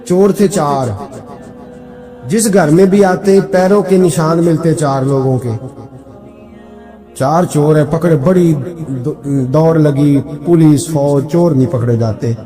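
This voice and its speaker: A male preacher with a fairly high voice tells stories in an emotional sermon. He sinks to quiet, intimate quoting and then climbs to raised exclamations. Faint music sits under his voice. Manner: sways between hushed quoting and raised exclaiming.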